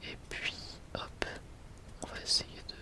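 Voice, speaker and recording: A man's voice: takes it slowly, sharp tone. A young adult man whispers in a casual, enthusiastic ASMR style, sometimes hesitating as he presents. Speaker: ASMR video creator presenting a manga collection.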